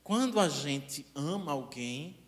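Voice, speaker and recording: A man with a Brazilian accent giving a spiritist lecture in an animated, conversational way, with frequent questions to the audience. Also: fairly high pitch, slow.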